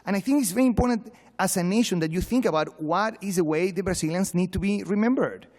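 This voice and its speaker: A man's voice: high voice, fast, a little mellow. A man from Venezuela with a Venezuelan Spanish accent, a professor speaking informally and emphatically at a conference, with humor, repetition and rhetorical questions. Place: large conference hall. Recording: echoey hall, long reverb.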